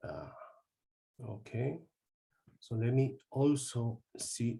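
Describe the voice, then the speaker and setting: Very slowly, a man speaks at medium pitch with ordinary pitch variation. His tone is dark and mellow, and somewhat breathy. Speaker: intercultural trainer. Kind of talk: webinar presentation. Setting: video call.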